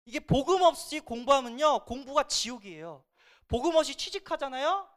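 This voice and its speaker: A pastor delivers a sermon with a lively pitch that climbs and drops freely. The delivery is emphatic, alternating between loud emphasis and hushed asides. Rhetorical questions are put to the congregation again and again. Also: a little fast.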